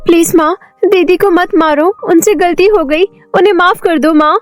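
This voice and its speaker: Little cartoon sister, done by a woman narrator, very high, childlike, tearful. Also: moderate pace, dry recording, faint music behind. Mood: pleading. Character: small frightened younger sister, little girl.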